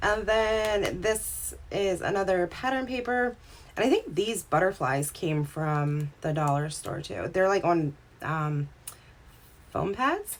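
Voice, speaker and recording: Lively intonation marks this very slow delivery with an American accent. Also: woman, medium pitch for a woman. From Pennsylvania, between Philadelphia and Lancaster County. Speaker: craft livestreamer. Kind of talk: live craft tutorial chat. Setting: live stream. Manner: casual, halting with fillers.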